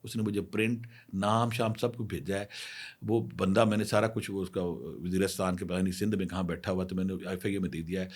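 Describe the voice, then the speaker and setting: A man's voice: low voice, little pitch movement. A middle-aged man from Pakistan, a spiritual healer telling anecdotes and giving emphatic marriage advice straight to women viewers. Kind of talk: storytelling advice talk.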